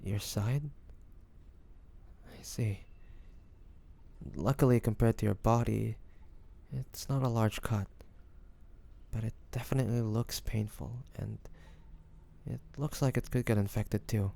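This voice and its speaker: A man's voice: fairly low pitch, fairly even intonation, a little slow, pauses often, dark tone. A man playing a devoted, anxious young man caring for a wounded loved one, tender and hesitant, in a romantic audio roleplay. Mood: apologetic, soothing. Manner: tender, hesitant, breathy sighs, addressing the listener. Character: devoted, anxious young man tending his wounded dragon-shifter beloved.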